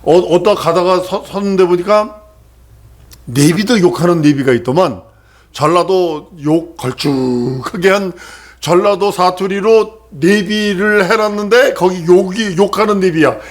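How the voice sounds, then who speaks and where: A man's voice: high voice, a little slow. A male pastor preaching a sermon with emphatic repetition, often turning to ask the congregation questions.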